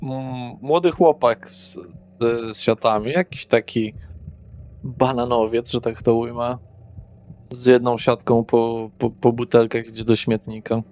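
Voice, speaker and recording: A man narrating a tabletop roleplay session as game master, measured and deliberate. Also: mid-range voice, steady tone, darkish tone. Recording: faint music behind.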